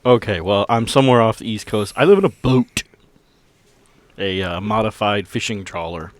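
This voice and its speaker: Low-voiced man playing a tabletop game. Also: expressive, moderate pace, dry recording. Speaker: tabletop roleplay player. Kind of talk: casual improvised roleplay chat.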